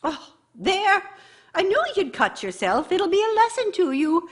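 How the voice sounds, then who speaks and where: A woman's voice: very high voice, very animated, unhurried, exaggerated voice. An actress playing a bitter, nagging working wife who scolds her idle husband with scorn and sarcasm in a radio drama monologue. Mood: aggrieved, complaining.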